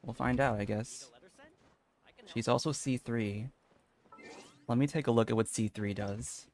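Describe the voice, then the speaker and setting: A man's voice: medium pitch, fairly even intonation, measured pace, a little mellow. A man live streaming a video game, chatting casually and rambling as he thinks aloud. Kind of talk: casual gaming stream chat.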